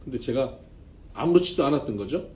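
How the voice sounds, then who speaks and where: Animated pastor with a dark, roomy voice. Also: male voice, mid-range voice, brisk. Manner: storytelling with humor, emphatic swings in loudness. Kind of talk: seminar sermon. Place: church. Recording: echoey church room, faint noise.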